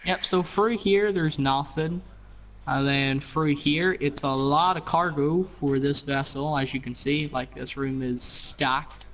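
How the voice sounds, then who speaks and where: Giving other players a casual tour of his game build over voice chat, this man talks slowly in a fairly high, slightly bright voice with fairly even intonation. The recording quality is low, and his narration wanders, packed with fillers and "you know".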